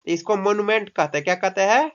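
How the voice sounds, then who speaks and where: A man's voice: sits high, fast talker, a bit bright. A man tutoring a student in English vocabulary, explaining in Hindi, coaxing and scolding by turns and drilling words by repetition. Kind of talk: English lesson taught in Hindi. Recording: dull lo-fi recording.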